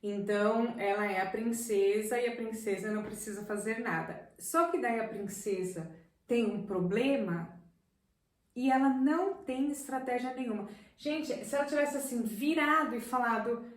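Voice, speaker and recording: Animated teacher woman, echoey room. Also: a little high, moderate pace, recorded from a distance. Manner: animated storytelling, addresses viewers as "gente". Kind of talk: educational video talk.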